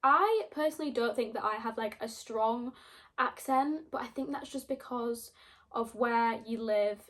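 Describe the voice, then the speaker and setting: Young Yorkshire woman, casual talky vlogger, a touch high-pitched, lots of "like". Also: unhurried, fairly bright tone. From Yorkshire, England. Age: young adult. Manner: chatty, rambling, lots of "like". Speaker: book vlogger. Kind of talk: casual chat to camera.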